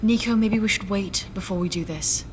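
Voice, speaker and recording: An actress playing a concerned, careful woman doctor in an audio drama, with a gentle, hesitant manner. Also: medium pitch, normal speed, slight background noise, lightly acted. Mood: cautious. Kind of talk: audio fiction acting.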